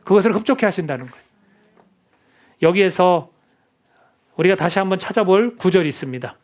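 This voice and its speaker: A man's voice: sits high, expressive, fairly quick. A middle-aged male pastor preaching a sermon in a church, earnest and conversational, often asking the congregation questions. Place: church sanctuary.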